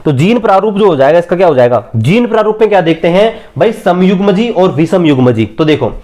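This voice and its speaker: A man's voice: high voice, lively intonation, a little fast, darkish tone. A man teaching an exam-prep biology lesson at a board, quizzing students and answering his own questions, stretching key terms word by word.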